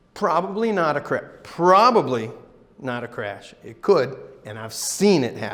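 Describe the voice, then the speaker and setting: Audible room echo surrounds a man's high-pitched voice. He speaks at a very slow pace with lively intonation. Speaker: flight instructor. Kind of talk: lecture.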